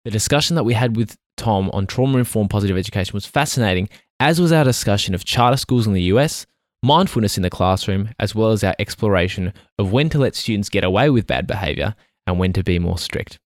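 A man hosting an education research podcast, reading a formal guest introduction and then asking interview questions in a measured way. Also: on the low side, animated, no room sound, studio quality. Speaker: podcast host.

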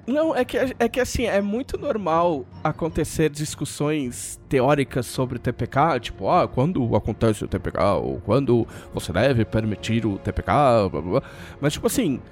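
Lively Brazilian man chatting on a podcast. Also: mid-range voice, moderate pace, soft background music. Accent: Brazilian Portuguese. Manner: profane, joking, lots of fillers. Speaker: podcast host. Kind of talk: casual podcast chat.

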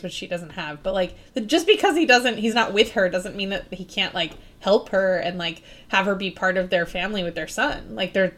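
A woman's voice: medium pitch, fairly bright tone. A woman co-hosting a podcast, chatting casually about a TV episode, easygoing and agreeable, rambling with fillers. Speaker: podcast co-host. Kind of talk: casual chat recapping a TV episode.

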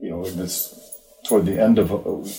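Older man, youth coach, casual podcast storytelling, fairly low mellow voice, echoey room. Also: steady tone, normal speed, soft background music. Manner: acts out his own yelling in retold scenes. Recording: roomy echo.

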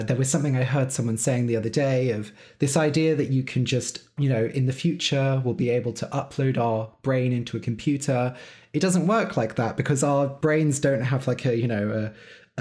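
Man, podcast host, mid-pitched voice, friendly, upbeat, reflective. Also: a little mellow. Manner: friendly, enthusiastic, a bit philosophical. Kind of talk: podcast interview and outro.

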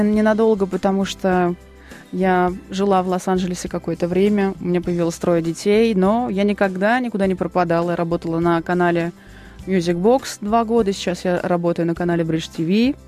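A woman, a singer and TV presenter, telling her story as a guest in a radio interview in an unhurried, relaxed way. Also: fairly low pitch. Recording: radio studio with faint music behind.

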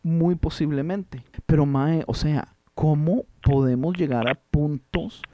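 A Costa Rican man in his thirties, co-hosting a casual podcast chat with animated, slangy, self-mocking talk. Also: a little high, takes it slowly, highs cut off, slight background noise. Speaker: podcast co-host, worship leader.

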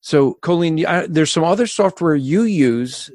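A man co-hosting a podcast, explaining recording gear in a casual instructional way with a loud, carrying voice and energetic delivery. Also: a little high, a little slow, no echo, clean studio sound. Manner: energetic, explanatory, addresses listeners as folks. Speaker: podcast co-host.

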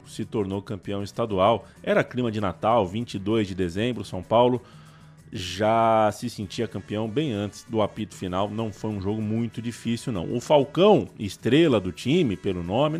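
A man's voice: fairly low pitch, normal speed, a little mellow. A Brazilian man hosting a football history show, telling stories in a conversational way. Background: music.

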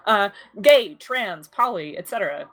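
A woman's voice: mid-range voice, lively intonation, measured pace, fairly bright tone. A woman co-hosting a podcast in casual chat, dropping wry, joking asides. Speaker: podcast co-host.

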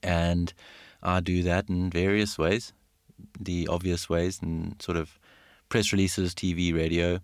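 Brief: low-voiced male co-host, easygoing, quick to laugh, dry close-miked sound. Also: no room sound. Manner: laughs often, relaxed and self-deprecating. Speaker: podcast co-host, science engagement astronomer. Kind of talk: casual chat.

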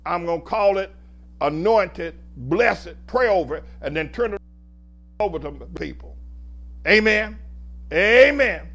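A man's voice: high voice, animated, a little slow, pauses often, fairly bright tone, dull audio. A male pastor preaching a sermon, emphatic and building his points in repeated lists of phrases.

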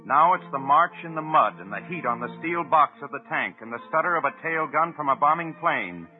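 A man's voice: on the high side, animated, fairly quick, natural voice. Male actor as young American soldier, defiant and punchy, 1940s radio drama, thin phone-like vintage sound, faint music. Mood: defiant, resolute. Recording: tinny, narrow-band vintage 1940s radio broadcast.

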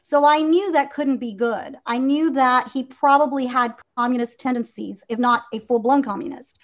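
In a conversational interview, a guest from Venezuela in her fifties talks sincerely, often restarting and using many fillers. She speaks at a moderate pace in a high-sitting voice.

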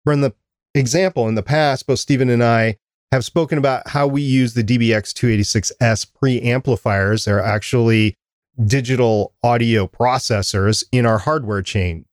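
A man's voice: medium pitch, steady tone, moderate pace, no echo, studio quality. A man co-hosting a podcast, explaining audio plugins in a casual, conversational way and asking himself rhetorical questions. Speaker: podcast co-host. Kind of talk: casual instructional chat.

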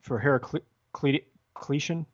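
A man's voice: fairly high pitch, drawn-out words, husky, dull audio. A man hosting a podcast discussion, talking casually and hesitantly, often correcting himself. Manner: hesitant, self-correcting, conversational. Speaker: podcast host.

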